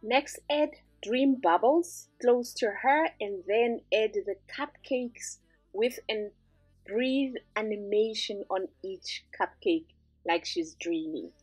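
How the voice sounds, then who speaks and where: A woman's voice: medium pitch, slow pace, breathy edge, no room sound, poor audio. A woman hosting a screen-recorded design tutorial, walking through each step in an upbeat, instructive way. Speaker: tutorial host.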